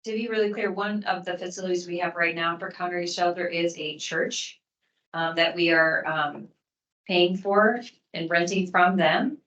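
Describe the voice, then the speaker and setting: Woman, city official, low voice, plain-spoken briefing, echoey meeting room. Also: steady tone, normal speed, a bit bright, recorded from a distance, lo-fi sound.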